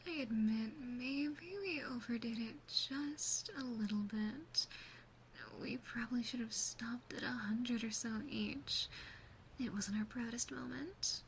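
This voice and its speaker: A woman voicing a gentle, doting yandere demon sister in a soft, teasing, mostly whispered ASMR roleplay, close on a binaural microphone. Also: a little high, slow pace, a little hiss or hum, rough recording.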